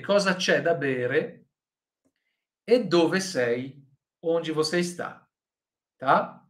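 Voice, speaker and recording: A man's voice: a little high, fairly bright tone. A man with a Brazilian Portuguese accent teaching Italian in a live online lesson, patiently correcting students by name and checking in with "tá?".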